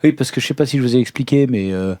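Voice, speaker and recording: A man's voice: mid-range voice, quick pace, dark tone, no echo, clean studio sound, natural voice. A man playing a blunt, folksy handyman uncle in an improvised audio fiction, colloquial and stumbling as he tries to persuade. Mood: stumbling, persuasive.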